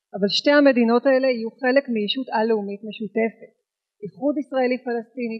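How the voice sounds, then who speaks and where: A woman with a normal speaking voice talks at a moderate pace, her pitch fairly high with ordinary variation. The background is quiet. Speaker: movement activist. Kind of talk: speech. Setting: stage with audience. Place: hall. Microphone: handheld.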